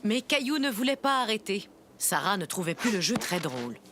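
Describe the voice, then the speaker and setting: A woman playing a kindly older grandmother who narrates children's stories in a gentle, expressive cartoon style. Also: medium pitch, brisk, heavy background noise, natural voice. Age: older character. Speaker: storyteller. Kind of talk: scripted children's story narration.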